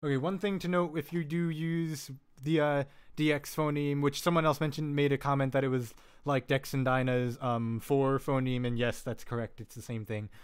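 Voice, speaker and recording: A man's voice: medium pitch, little pitch movement, moderate pace, hardly any pauses, smooth. Laid-back man rambling through a tutorial. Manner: rambling, self-correcting, lots of "um" and "like"; laid-back, jokey asides. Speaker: live-stream host teaching vocal synth tuning. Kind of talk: casual technical walkthrough.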